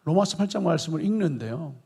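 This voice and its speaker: A man's voice: a little high, expressive, fast, gravelly, a little mellow, breathy edge. A man pastor preaching a sermon in church, earnest and repeating quoted scripture for emphasis.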